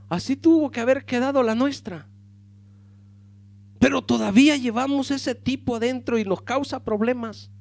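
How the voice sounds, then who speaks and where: A very high-pitched male pastor preaches passionately, addressing the congregation as brothers and swinging between loud and hushed.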